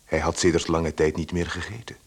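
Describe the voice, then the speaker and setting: Low, husky male narrator. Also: flat delivery. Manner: measured, literary. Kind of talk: scripted radio drama narration.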